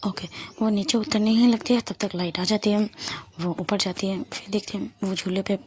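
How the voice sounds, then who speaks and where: A woman's voice: mid-range voice, steady tone, normal speed, husky. Whispery woman telling a love story. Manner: often drops to a whisper, corrects herself mid-sentence. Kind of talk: casual spoken story narration.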